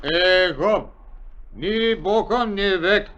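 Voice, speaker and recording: An actor playing a terse tribal native in a 1940s radio drama, barking short phrases with heavy emphasis. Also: male voice, high voice, lively intonation, slow pace, a bit bright, heavily acted. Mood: commanding. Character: male tribal native guard, terse and commanding. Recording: dull old 1940s radio recording.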